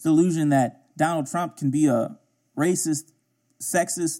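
A man with an American accent speaks at a fairly high pitch in a dark, mellow tone, with ordinary pitch variation, in a very clean recording with a silent background. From Baltimore, Maryland, US. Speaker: podcast host, commentator on race and culture. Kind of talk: solo commentary monologue. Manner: conversational, frequent laughter and fillers.

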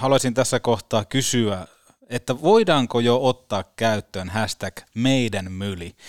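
In a very clean recording with a silent background, a man talks at a very slow pace. His pitch is medium, with ordinary pitch variation. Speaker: podcast host. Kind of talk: casual chat. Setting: studio.

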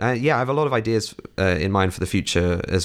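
In a very clean recording with a silent background, a man with a very deep, low pitch talks at a fairly quick pace. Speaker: a cappella producer, arranger and singer. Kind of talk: interview.

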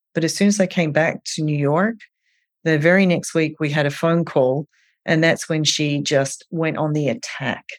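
In an Australian accent, a woman speaks at a moderate pace with a very deep, low pitch and fairly even intonation. The recording is very clean, with a silent background. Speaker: registered dietitian, treatment center founder. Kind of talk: interview.

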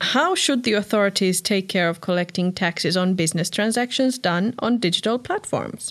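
A woman speaks in a Finnish accent with lively intonation. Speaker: podcast host. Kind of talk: interview.

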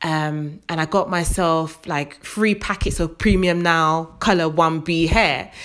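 In a London accent, a woman talks with a fairly low pitch and ordinary pitch variation. The recording is very clean, its background silent. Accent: British, London. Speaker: podcast host and founder. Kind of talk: casual personal storytelling. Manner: casual, chatty, with fillers.

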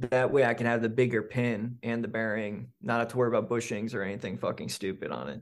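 At a very fast pace with hardly any pauses, a man with an American accent talks in a medium pitch with ordinary pitch variation and vocal fry. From Ohio, between Akron and Cleveland. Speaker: moped rider and tattoo artist. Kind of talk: casual chat.

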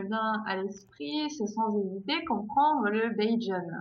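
A woman with lively intonation at a very slow pace, amid audible room echo and noticeable background noise. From France. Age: 20s. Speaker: French teacher. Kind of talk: interview. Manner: hesitant, with fillers.

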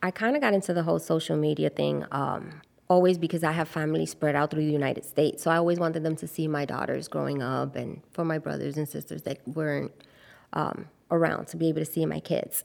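On a very clean recording with a silent background, a woman speaks very fast. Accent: American. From New York City, the Bronx. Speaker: school secretary. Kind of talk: interview.

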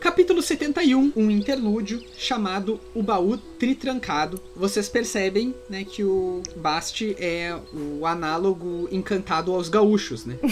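Over music in the background, a man with a high voice speaks at a very slow pace, with lively intonation and hardly any pauses. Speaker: podcast host. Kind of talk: casual chat.

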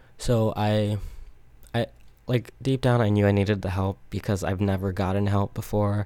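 Speaking at a moderate pace, a man has a fairly low pitch, a dark, mellow tone, and monotone, flat intonation. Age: 20s. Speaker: podcast host sharing personal faith story. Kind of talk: personal testimony monologue. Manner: casual, hesitant with frequent fillers and laughs.

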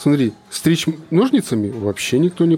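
Noticeable background noise runs through the clip. A man speaks with lively intonation. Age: 40s. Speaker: podcast co-host. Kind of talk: casual chat.

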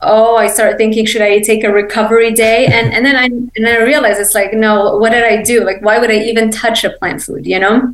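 A woman's fairly quick, monotone, flat delivery amid noticeable background noise. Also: fairly high pitch for a woman, hardly any pauses. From Lebanon. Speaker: exercise physiologist and nutrition coach. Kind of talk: casual interview chat.

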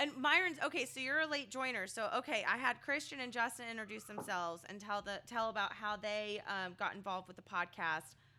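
A woman at a fairly high pitch, with lively intonation, a fairly quick pace and hardly any pauses, over noticeable background noise. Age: 30s. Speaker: beer podcast host. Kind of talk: casual interview chat.

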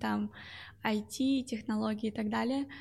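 A woman's fairly high, somewhat breathy voice on a very clean recording with a silent background. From Russia, Chelyabinsk. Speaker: engineering graduate, tech company employee. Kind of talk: interview.

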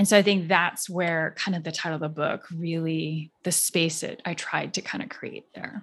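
A somewhat breathy voice speaks with an American accent. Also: woman. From US (raised from early childhood, New Jersey). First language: Mandarin and Taiwanese. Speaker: clinical psychologist and author. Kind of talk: interview conversation. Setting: online video event.

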